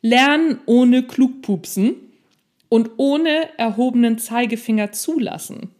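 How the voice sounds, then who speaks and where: Fairly high-pitched and a little mellow, she speaks at a slow pace. She's a podcast host and non-fiction author who addresses listeners directly on her conversational solo podcast, with plenty of self-deprecating humour.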